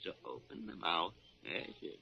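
An actor playing a crusty, teasing older hospital doctor with a gravelly, drawling, grumbling voice in vintage radio drama style. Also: male voice, low-pitched, animated, moderate pace, bright, forceful tone, heavily acted. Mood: sly, teasing. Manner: drawling, grumbling, repeats himself. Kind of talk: 1940s-50s radio drama acting. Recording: muffled vintage radio recording.

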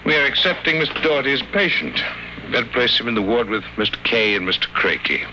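An actor playing a small, older sanatorium doctor in a 1950s radio drama, courteous and formal, with measured phrasing. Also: male voice, medium pitch, animated, natural voice. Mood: polite, businesslike. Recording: noisy vintage 1950s radio recording.

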